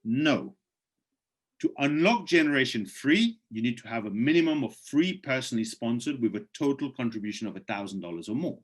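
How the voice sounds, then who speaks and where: Man hosting a video call, voice going hoarse. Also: mid-range voice, expressive, fairly quick. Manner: persuasive, urging, reads questions aloud and answers them. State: losing his voice. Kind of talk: live online presentation with questions from chat.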